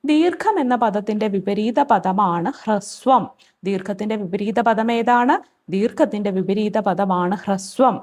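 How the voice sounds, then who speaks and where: Slow-speaking woman tutor. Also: mid-range voice. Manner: asks each question, then repeats the answer slowly. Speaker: exam-prep tutor. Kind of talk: teaching.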